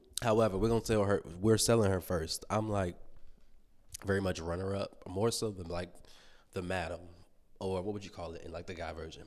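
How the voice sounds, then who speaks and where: A man talks at a fairly quick pace. His pitch sits fairly low. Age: 20s. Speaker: podcast host. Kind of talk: casual solo monologue. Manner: animated. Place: home room. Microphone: handheld.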